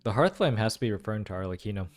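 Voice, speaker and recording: A man's voice: lowish voice, animated, racing, faint music behind. A young man giving casual, slangy gaming commentary with lots of exclamations. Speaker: game streamer reacting to a story quest.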